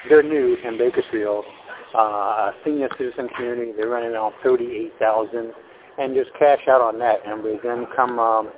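Older male home seller, sixties, halting and wordy, phone-quality audio. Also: medium pitch, fairly even intonation, a little hiss or hum. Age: 60s. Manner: rambling, halting with many fillers and restarts. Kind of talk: casual phone conversation. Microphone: telephone. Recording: tinny phone line.

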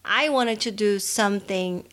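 A woman in her thirties with a Brazilian accent, chatting casually on a podcast. She talks slowly and leisurely, often stopping to restart a thought or hunt for a word. Her voice sits in the middle of the range for a woman. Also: medium pitch, fairly bright tone. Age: 30s. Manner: rambling, many restarts and fillers. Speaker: podcast co-host. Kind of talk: casual chat.

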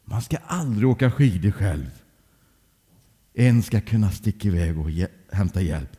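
A man voicing a strict adult lift attendant who lectures two boys in a lowered voice. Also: expressive, warm tone, in a large hall, close to an everyday voice. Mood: stern.

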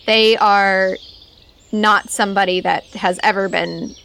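A woman's voice: mid-range voice, fairly even intonation, slow pace, gravelly, fairly bright tone. A woman narrating as game master of a tabletop game, thinking aloud with frequent fillers.

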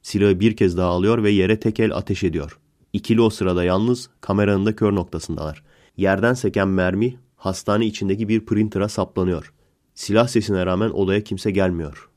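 A man's voice: lowish voice, brisk, darkish tone. A man hosting a casual comedic podcast, telling stories in a sarcastic, joking way. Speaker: podcast host.

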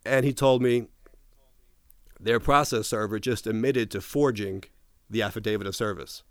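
A man with a fairly low, smooth, resonant voice talks casually as an interview guest. He recounts events in detail and often restarts his sentences. His voice is recorded dry, with no room sound. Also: normal speed, no room sound. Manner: detailed retelling with frequent restarts, quoting others. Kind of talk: casual conversational storytelling.

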